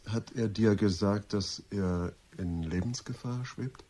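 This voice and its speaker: Radio drama: suave, bantering ladies' man, lowish pitch, rough-edged husky tone. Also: slow pace, warm tone. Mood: teasing. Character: flirtatious, teasing male friend of a lawyer. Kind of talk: German radio play acting.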